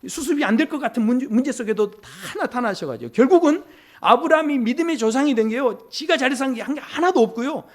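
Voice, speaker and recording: A man's voice: very high-pitched, lively intonation, fast. A man preaching a Sunday sermon as pastor, joking with the congregation and acting out the people he quotes. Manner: playful, jokes with the congregation, acts out quoted voices. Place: church sanctuary.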